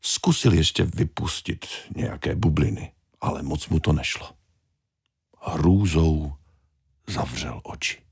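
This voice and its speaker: A man reading a children's fairy tale aloud, expressive and animated. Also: a bass voice, creaky, pauses often, husky. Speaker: storyteller.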